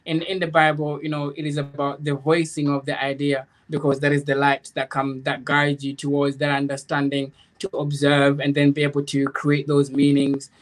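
A man with a fairly high voice and a flat, even melody talks informally as a guest. He is earnest and rambling, circling back over his phrases as he explains. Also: normal speed, hardly any pauses. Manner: earnest, rambling, repeats phrases, checks understanding. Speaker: guest, author. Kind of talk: informal spiritual discussion.

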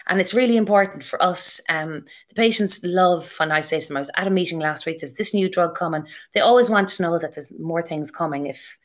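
A woman answering interview questions as a clinician, earnest and explanatory, on slightly muffled audio. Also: sits low. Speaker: haematology clinician interviewed as guest.

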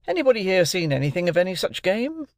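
A man reading aloud and voicing a bluff, hearty army sergeant who gives brisk orders and jovial toasts. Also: high-pitched, sing-song, dry recording, studio quality, pitched above the performer's own voice.

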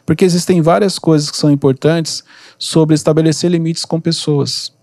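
A calm, easygoing man with a Brazilian Portuguese accent talks through advice on his podcast, patient and explanatory. His voice sits a little on the high side. The sound is dry and close, with no room echo. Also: normal speed. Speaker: podcast host and mentor. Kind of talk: casual advice podcast talk.

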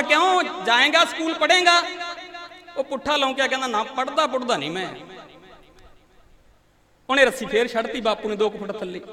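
High-voiced, bright Sikh preacher in a hall. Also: male voice. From India. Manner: animated, emphatic, swings between loud and soft. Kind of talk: storytelling religious sermon. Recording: long hall reverb.

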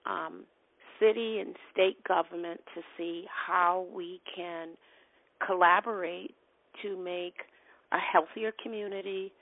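Slow and steady in tone, her lowish, creaky voice belongs to a middle-aged Boston-accented nonprofit president from Boston, USA, answering interview questions in earnest. She keeps repeating and restarting phrases. The line is tinny and phone-like, with no echo.

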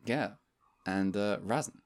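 A man's voice: lowish voice, takes it slowly. A man co-hosting a podcast in casual chat, wrapping up in a loose, meandering way. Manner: loose, meandering sign-off delivery. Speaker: podcast co-host.

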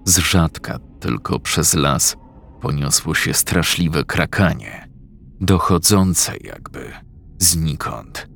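A man narrating a horror story in a slow, measured, scripted reading. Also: rumbling low, a bit bright.

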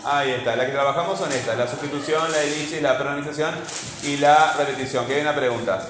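A man teaching a class, asking many quick questions and stressing key words. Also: fairly high pitch, crowd noise. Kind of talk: online class lesson. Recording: roomy echo.

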